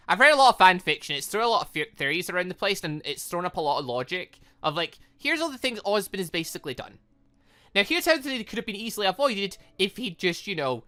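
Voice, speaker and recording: Bright British voice of a rambling gamer. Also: medium pitch. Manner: rambling, thinking aloud. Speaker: gaming video host. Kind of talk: casual let's play commentary, reading game dialogue aloud.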